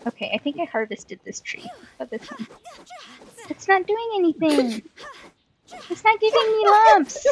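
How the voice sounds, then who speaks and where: A woman's voice: extremely high pitch, sing-song, unhurried, long pauses, slight background noise. A woman chatting casually as she plays a game, thinking aloud with playful exclamations and muttering to herself. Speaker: let's play host.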